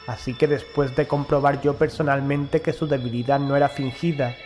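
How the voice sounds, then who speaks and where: A man reading a first-person horror story as an audiobook narrator, in a measured, formal storytelling delivery. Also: medium pitch, fairly even intonation, a little mellow. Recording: music behind the voice. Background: background music.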